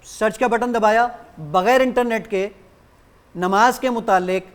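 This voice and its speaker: A man appearing as a guest on a TV show, demonstrating his app in lively detail and acting out both sides of his exchanges with it. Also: high voice, clean tone. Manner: animated explainer who acts out exchanges with the app.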